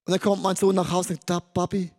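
A man preaching a sermon, telling family stories and acting out the voices in the quotes with big swings in pitch and loudness. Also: fast, creaky. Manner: animated, acts out quotes with shifting pitch and loudness. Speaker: pastor. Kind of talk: energetic sermon storytelling.

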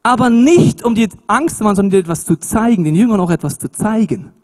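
Speaking fast in a high-pitched voice, this preacher delivers his sermon in a colloquial, emphatic, animated way, shifting from loud stresses to quiet asides.

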